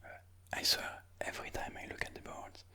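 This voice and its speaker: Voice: brisk, sharp tone. A person whispering breathily in an ASMR style, musing aloud move by move as they comment on their own chess game.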